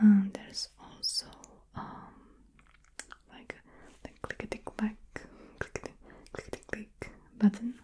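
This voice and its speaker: Over light background noise, a woman's voice shows big swings in loudness. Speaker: ASMR creator. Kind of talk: soft-spoken ASMR role-play. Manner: soft, gentle whispered voice.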